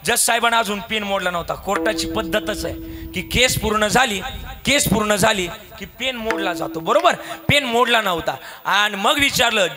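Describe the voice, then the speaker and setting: A man's voice: high-pitched, normal speed, over music. A man preaching a kirtan with a Marathi accent, telling a devotional story dramatically, acting out the characters and breaking into sung verses. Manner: dramatic, acts out voices of characters, breaks into song.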